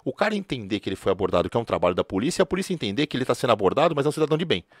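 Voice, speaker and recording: A man races through his stories as a former police officer, full of slang and repeated filler words. His voice is medium in pitch and recorded close and dry, with no room sound. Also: sing-song, very fast, no echo. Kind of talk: casual podcast conversation.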